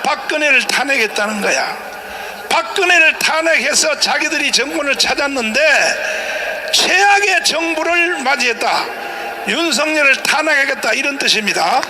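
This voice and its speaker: High-pitched man haranguing over clear noise. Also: expressive, normal speed, pushed and bright. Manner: blunt, haranguing, rallying, asks leading questions. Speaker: host, pastor. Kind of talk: political rally talk with a guest.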